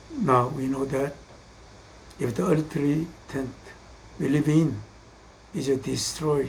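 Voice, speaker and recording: In a room with audible echo, a man at a fairly high pitch speaks very slowly, leaving long, frequent pauses. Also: fairly even intonation. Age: 70s. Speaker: pastor. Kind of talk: sermon.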